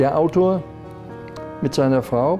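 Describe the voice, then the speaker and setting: A man's voice sits at a fairly high pitch with ordinary pitch variation. Faint music plays in the background. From Flensburg, northern Germany. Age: 80s+. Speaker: book publisher. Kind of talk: interview answer. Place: office. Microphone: lapel.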